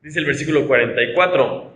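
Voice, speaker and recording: A man's voice: mid-range voice, fast, a bit bright, roomy sound, rough recording. A man from Mexico with a Mexican Spanish accent, a pastor teaching a conversational Bible study, explaining with rhetorical tags and frequent restarts.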